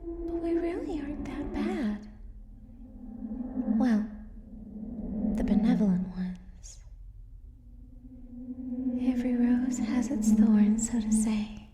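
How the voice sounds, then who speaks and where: Woman playing a slow, whispery banshee receptionist. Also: a little high, very noisy. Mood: formal, reassuring. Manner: slow, gentle, formal. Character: polite, wistful female banshee hotel receptionist, once human. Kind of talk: ASMR roleplay, scripted monologue. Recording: echoey, loud background ambience.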